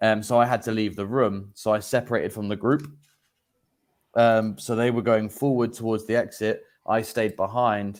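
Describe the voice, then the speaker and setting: On a very clean recording with a silent background, a man with an English accent speaks at medium pitch and a moderate pace with fairly even intonation. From England. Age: 20s. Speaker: paranormal investigator. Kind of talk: casual chat.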